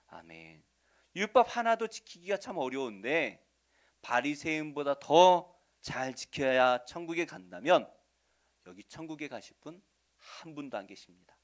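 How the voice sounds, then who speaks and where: A male pastor giving a Sunday sermon, asking the congregation questions and answering them, swinging between loud stresses and soft asides. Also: medium pitch. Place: church sanctuary.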